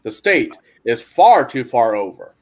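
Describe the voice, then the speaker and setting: Man, mid-range voice, animated, swears a lot, casual podcast talk. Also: medium pitch, measured pace. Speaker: podcast co-host.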